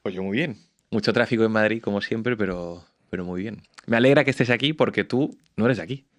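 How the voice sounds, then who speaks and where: Chatty low-voiced podcast host man. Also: fairly quick. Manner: chatty, asks long rambling questions with restarts. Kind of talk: conversational interview.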